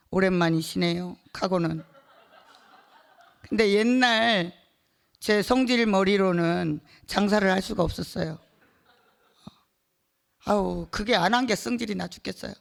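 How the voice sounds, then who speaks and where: A middle-aged woman testifies before her church gathering in an unhurried, halting way. Her voice carries a gravelly edge, and she fills the gaps with hesitations and small laughs. It sounds personal and heartfelt rather than polished. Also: mid-range voice. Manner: halting, with many fillers, laughing between phrases. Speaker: church member giving testimony.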